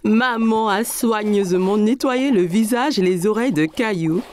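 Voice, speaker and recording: A woman reading scripted narration for a children's story, telling it clearly for young listeners. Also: medium pitch, moderate pace, a little mellow, slight background noise.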